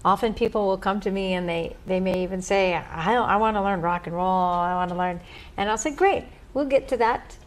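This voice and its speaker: A woman's voice: mid-range voice, brisk. Talkative woman musician. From United States. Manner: enthusiastic, talkative. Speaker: musician guest, music teacher. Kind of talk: casual interview talk.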